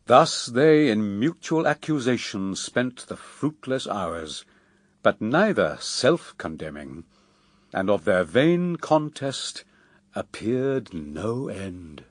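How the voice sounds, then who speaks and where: A man as a grave poet narrator, reading epic verse in a measured, declamatory way for radio drama. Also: fairly low pitch, sing-song, dry recording, exaggerated voice. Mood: sombre.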